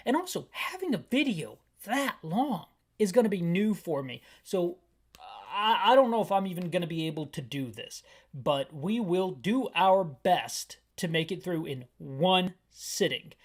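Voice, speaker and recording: A man in his thirties talks through a video game in a loose, rambling way, describing what he sees for listeners. His delivery is hyper and self-deprecating, full of restarts and asides. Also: high-pitched. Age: 30s. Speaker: gaming YouTuber. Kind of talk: casual audio-description gameplay commentary.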